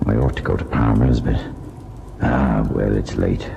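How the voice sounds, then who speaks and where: Gravelly, rumbling, skeptical village doctor. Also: male voice, a little slow, exaggerated voice. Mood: grumbling, companionable. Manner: bluff, colloquial, peppered with "eh" and "aye". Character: gruff, skeptical village doctor, bluff and teasing friend. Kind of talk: old-time radio drama acting. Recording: muffled, noisy old radio recording.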